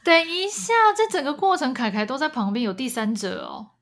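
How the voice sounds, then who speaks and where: A woman's voice: high-pitched, very animated, a little fast, a bit bright. A woman co-hosting a podcast, reacting eagerly and asking curious questions. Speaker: podcast co-host. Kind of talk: casual chat, reacting.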